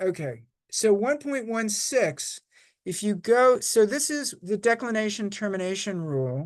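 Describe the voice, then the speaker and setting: Against a quiet background, a man with a New York accent speaks at a fairly slow pace in a high pitch. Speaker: law professor. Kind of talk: lecture. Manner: animated.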